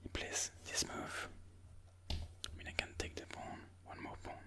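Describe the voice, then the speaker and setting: A person whispering ASMR game commentary in a breathy, mostly unvoiced voice, slowly and soothingly thinking aloud. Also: pushed and bright. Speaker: ASMR chess video host.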